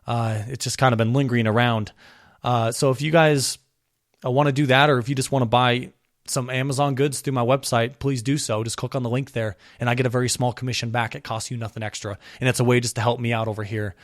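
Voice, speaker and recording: A man hosting his own podcast, talking with impassioned energy, his voice a little hoarse from a cold. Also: steady tone, fast, dry recording, clean studio sound. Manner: impassioned ranting, pitch climbing when worked up. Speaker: podcast host. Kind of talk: solo podcast commentary.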